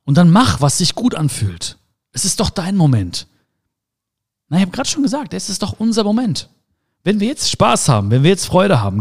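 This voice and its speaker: A motivational speaker with a somewhat high, slightly mellow voice gives an emphatic talk, repeating his key phrases.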